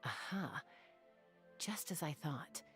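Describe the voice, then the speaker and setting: A woman's voice: deep voice, lively intonation, takes it slowly, fairly bright tone, faint music behind, exaggerated voice. A woman playing a cool, decisive young gunslinger in a video game, with a dry, self-assured delivery. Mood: calm assured.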